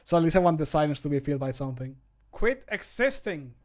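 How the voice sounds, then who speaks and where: A man's voice: a little high, steady tone, very fast, mellow. A man in his thirties chatting casually on a livestream from a home room, informal and self-deprecating. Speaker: streamer and amateur voice actor. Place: small home room, indoors.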